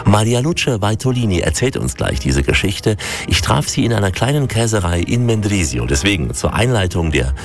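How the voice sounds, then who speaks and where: Male travel radio host, very low voice, presenting and interviewing over faint music. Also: sing-song, moderate pace.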